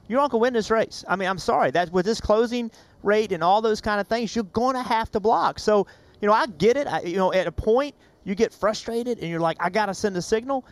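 A man working as a racing analyst, earnest and often restarting his sentences. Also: high-pitched. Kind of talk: studio commentary panel.

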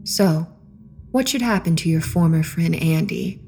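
A man voicing a soft, commanding seductress. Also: on the high side, gravelly, faint music behind, pitched above the performer's own voice. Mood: coaxing. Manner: slow, soft, coaxing delivery. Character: seductive mysterious woman, calm and commanding.

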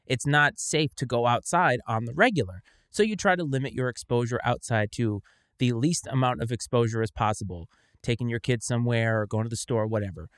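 A man's voice: mid-range voice, fairly quick, fairly bright tone, clear, resonant tone, no echo, clean studio sound. A man in his forties co-hosting a sports talk show, making wry, argumentative points in casual chat. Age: 40s.

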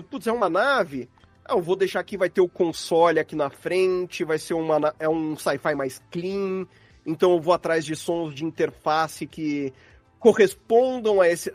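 A Brazilian man with a notably high voice talks casually, rambling and using slang as he explains. The recording is very dry and close, with music playing behind him. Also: dry recording. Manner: informal, rambling, uses slang.

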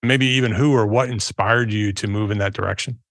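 A man's voice: fairly low pitch, fairly even intonation, brisk, a bit bright, dry recording, clean studio sound. A man hosting an architecture podcast, introducing his guest and asking questions in a friendly, conversational way. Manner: upbeat promo read, then conversational. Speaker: podcast host.

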